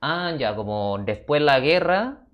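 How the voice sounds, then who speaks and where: A man's voice: medium pitch, animated, slow pace, lo-fi sound. A man from Indonesia chatting on a video call with a stranger, asking lots of questions and laughing easily. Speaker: language content creator. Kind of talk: casual video chat.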